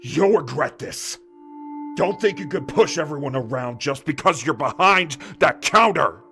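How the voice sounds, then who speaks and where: A man's voice: on the high side, lively intonation, a little slow, sharp tone, faint music behind, heavily acted. An actor playing an angry, threatening male customer in a horror game.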